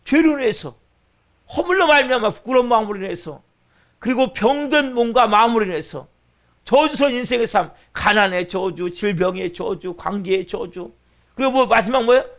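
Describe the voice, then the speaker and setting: A man preaching a church sermon, drawing slow emphasis on key words and throwing rhetorical questions at the congregation. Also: high voice, animated, fairly bright tone. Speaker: pastor. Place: church service.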